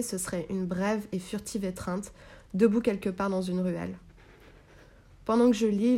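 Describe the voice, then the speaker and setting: Mellow-voiced woman reading a novel aloud. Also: mid-range voice. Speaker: reader.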